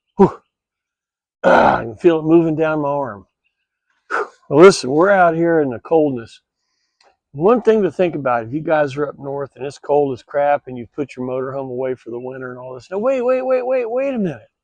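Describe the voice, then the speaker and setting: At a fairly quick pace yet with long, frequent pauses, a man with a fairly high pitch uses lively intonation and big swings in loudness. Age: 60s. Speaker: motorhome restoration video host. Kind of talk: casual vlog talk. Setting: outdoors in cold, then inside motorhome. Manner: informal, rambling with fillers.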